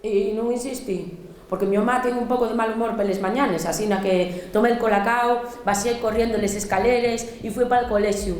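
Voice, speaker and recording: A woman with an Asturian accent performing a theatrical storytelling monologue, speaking as a lively, mock-dreamy little girl. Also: a little high, a little fast, echoey room, slight background noise.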